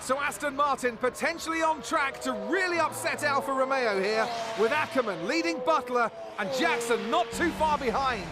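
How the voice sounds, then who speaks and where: Male race caller, very high, energetic play-by-play, loud music bed. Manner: excited, fast play-by-play, shouts at action. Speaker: race commentator. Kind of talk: race commentary.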